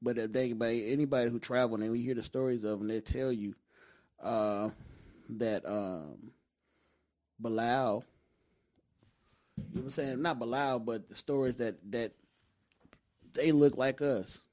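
A man's voice: medium pitch, normal speed, long pauses, darkish tone. A man from Detroit with an African American accent, talking casually and emphatically, repeating himself and checking he is understood. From Detroit, United States. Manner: emphatic and repetitive, with frequent checking tags. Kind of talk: casual conversation.

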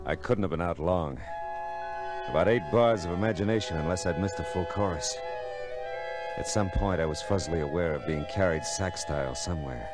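An actor playing a wry, wisecracking male private detective in a 1940s radio drama. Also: very deep voice. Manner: wry, sardonic. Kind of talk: 1940s radio detective acting with first-person narration. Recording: old radio recording with music.

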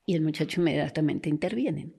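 A woman's voice: sits low, a little fast, creaky, slightly rough. A woman, a forensic doctor telling stories in an interview and acting out the voices of the people in them. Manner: animated, acts out quoted voices. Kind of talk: storytelling interview.

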